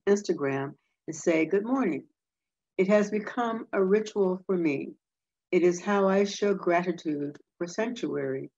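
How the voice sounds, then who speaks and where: An older woman, a poet, reads a written ritual aloud in a measured, deliberate way, recorded at home on a computer microphone. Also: lowish voice, darkish tone, breathy edge. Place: indoors at home, a room with framed pictures. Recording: dull, muffled video-call audio.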